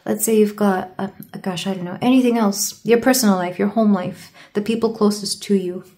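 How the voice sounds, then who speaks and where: A woman's voice: mid-range voice, fairly even intonation, fairly quick, dark tone. A woman giving a tarot card reading to her viewers, stumbling over her words and sounding congested from a sore throat. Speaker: tarot reader.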